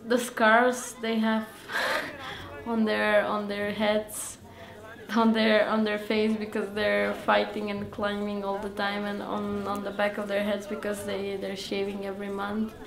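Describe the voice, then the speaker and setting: Flat-toned young woman, echoey room. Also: mid-range voice, measured pace, creaky. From Bulgaria. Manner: chatty, frank and easily amused. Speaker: volunteer English teacher. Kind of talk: documentary interview. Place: plain room indoors.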